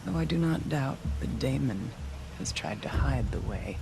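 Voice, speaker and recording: A woman's voice: a bass voice, expressive, moderate pace, gravelly, heavily acted. An actress playing a devout, proud tribal shaman woman in a video game, with solemn, formal phrasing. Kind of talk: dramatic video game cutscene acting. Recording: music behind the voice. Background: music.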